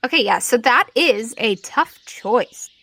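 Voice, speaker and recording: A woman's voice: a little high, expressive, measured pace, pushed and bright. A woman improvising casual narration as the game master of a tabletop roleplaying game.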